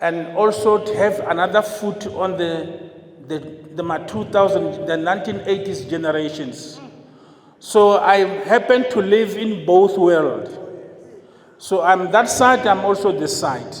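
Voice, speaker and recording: A man with a Lesotho accent speaks at a fairly slow pace in a high pitch. Audible room echo and noticeable background noise surround him. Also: ordinary pitch variation. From South Africa, Free State. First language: Sesotho. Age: 60s. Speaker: pastor. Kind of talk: sermon.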